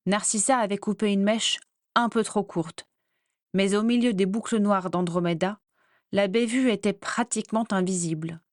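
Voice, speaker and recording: A woman narrates a fantasy audiobook in a measured, clear storytelling voice at a middle pitch. Her reading is recorded dry and close. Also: steady tone, no echo. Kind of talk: scripted narration.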